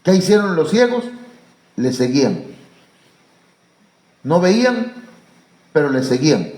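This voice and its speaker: Echoey preaching Mexican pastor. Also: male voice, sing-song, takes it slowly, a little mellow. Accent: Mexican Spanish. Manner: preaching with frequent fillers, rising to high emphatic calls. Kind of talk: sermon. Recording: echoey church room.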